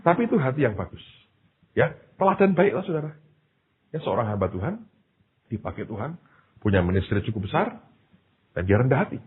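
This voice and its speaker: Very husky pastor preaching. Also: male voice, mid-range voice, fairly quick, pauses often. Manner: animated storytelling, addresses the congregation directly. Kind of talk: sermon. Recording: tinny, phone-like lo-fi sermon recording.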